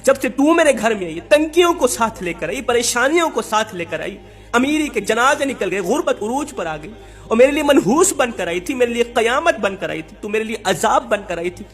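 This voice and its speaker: A man's voice: very high-pitched, big pitch swings, fairly bright tone, faint music behind, full character voice. A man voicing a bitter husband who scolds and taunts his wife, in a religious storytelling video. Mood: angry.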